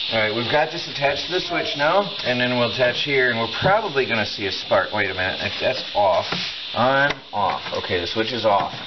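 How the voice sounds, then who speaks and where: This man talks at a moderate speed with loud background noise all around. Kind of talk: tutorial. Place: home room.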